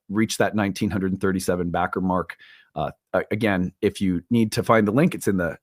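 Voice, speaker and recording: A man's voice: low-pitched, no room sound, clean studio sound. A man hosting an online talk show, making an earnest, upbeat appeal with some fillers. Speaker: host. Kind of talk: casual talk and fundraising appeal.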